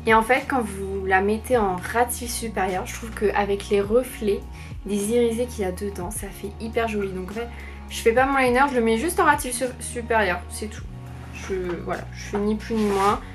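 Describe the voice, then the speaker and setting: A woman's voice: mid-range voice, normal speed. A young woman chatting casually through a makeup tutorial, rambling with many fillers, recorded on a camera mic at home. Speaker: beauty vlogger. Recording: faint background music.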